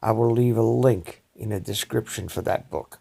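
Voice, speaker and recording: With an American accent and vocal fry, a man talks in fairly even intonation, the sound dry and close with no echo. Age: 60s. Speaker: political commentary vlogger. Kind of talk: monologue commentary.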